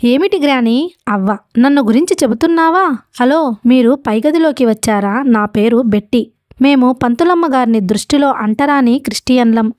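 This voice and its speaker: A woman's voice: on the high side, lively intonation, normal speed, darkish tone, no room sound, clean studio sound, lightly acted. A woman voicing a bold young dancer who teases in a brash, mocking way.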